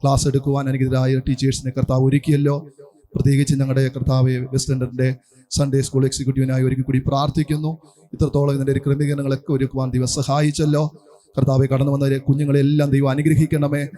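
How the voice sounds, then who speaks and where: Male pastor, rapid prayer, flat monotone, dark voice. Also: medium pitch. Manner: rapid steady prayer, repeating "Lord". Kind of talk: public prayer. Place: church hall, indoors.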